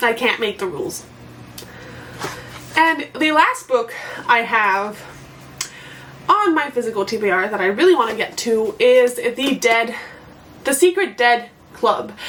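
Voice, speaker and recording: Amid noticeable background noise, a woman with a high voice and lively intonation speaks at a fairly slow pace with long, frequent pauses. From Canada. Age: 20s. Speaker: book YouTuber. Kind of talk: casual talk to camera.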